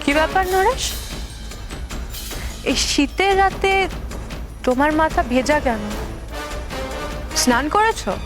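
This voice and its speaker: An actress playing an inquisitive, suspicious household woman, questioning deliberately in a television serial. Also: sits high, animated, music in the background. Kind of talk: television serial drama acting.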